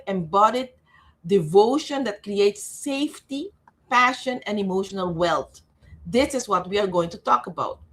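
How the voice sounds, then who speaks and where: A woman speaks as a relationship coach and co-host on a conversational show. Her voice sits at a medium pitch. She phrases her points deliberately, leaning on key words for emphasis. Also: fairly bright tone. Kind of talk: conversational talk show discussion.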